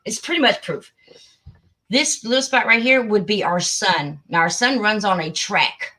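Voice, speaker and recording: A woman hosting a casual livestream, chatty and excitable, muttering to herself as she searches for something. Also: mid-range voice, measured pace, poor audio. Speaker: livestream host.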